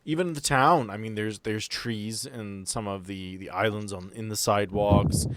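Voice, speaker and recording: A man narrating a tabletop game as game master, setting scenes in a conversational, halting way. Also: lowish voice, very noisy.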